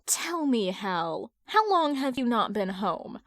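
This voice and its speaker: A woman voicing a stern, sharp-witted female friend who questions pointedly, like a prosecutor, in an audio fan fiction reading. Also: a little high, big pitch swings, dry recording, studio quality. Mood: probing. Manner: pointed, interrogating, deliberate.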